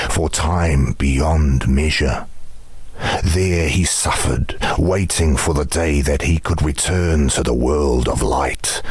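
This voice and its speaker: An actor playing a grave male tribal storyteller in a video game, reciting myths solemnly in a husky, measured way. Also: rumbling low, no echo, heavily acted. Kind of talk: solemn scripted myth narration.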